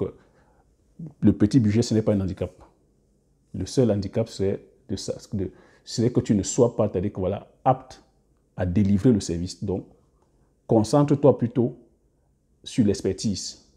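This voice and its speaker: A man giving business advice to camera in a casual monologue, hesitant, with many fillers and restarts, often trailing off quietly at the ends of phrases. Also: lowish voice. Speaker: business coach YouTuber.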